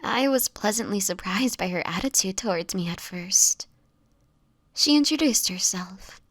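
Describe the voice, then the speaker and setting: A woman playing a sickly, homeless vampire in an intimate audio roleplay, speaking in a breathy, whispery voice with halting, hesitant delivery. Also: medium pitch, animated, no room sound. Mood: somber recounting. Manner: halting, hesitant storytelling with pauses.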